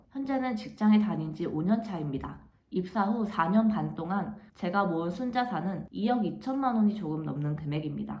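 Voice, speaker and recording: The speaker moves at a moderate pace with very wide pitch swings. Noticeable background noise and audible room echo fill the recording. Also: woman. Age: 20s. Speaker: personal finance vlogger, office worker. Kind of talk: personal vlog narration.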